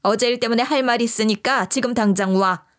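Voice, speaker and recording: A woman's voice: fairly high pitch, fast, close to an everyday voice. A woman voicing a bossy, scornful middle-aged mother-in-law who barks orders and scolds. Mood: commanding. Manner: harsh, scolding, shouting.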